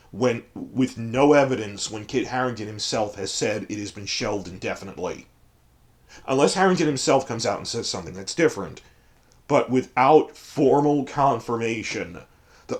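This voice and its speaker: A man with a hoarse voice from a cold delivers a long, digressive monologue as a fandom commentator. His pitch sits in the middle of the usual range, and he talks with an emphatic, scornful edge. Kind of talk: ranting commentary.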